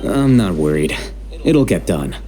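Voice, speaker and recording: An actor playing a dry, aloof young male scholar in a video game, talking in a terse, deadpan way. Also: deep voice, a little slow.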